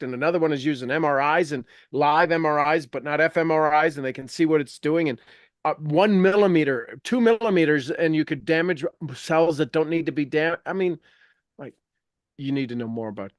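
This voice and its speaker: A man's voice: a little high, no echo, studio quality. A man hosting an informal motivational group coaching talk, emphatic and fond of repeating phrases for effect. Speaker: host and coach leading a group call.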